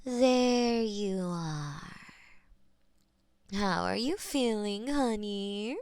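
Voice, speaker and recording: Woman doing a possessive female demon, teasing, very slow, breathy whispers, mid pitch. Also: a little mellow, dry recording. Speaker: voice actor in audio roleplay. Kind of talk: intimate audio roleplay.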